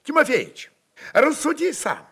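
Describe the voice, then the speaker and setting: A man voicing an excitable old Cossack jester in a storybook reading, grumbling and declaiming in a folksy way. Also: very high voice, measured pace, gravelly, pitched above the performer's own voice, heavily acted. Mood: indignant, haranguing.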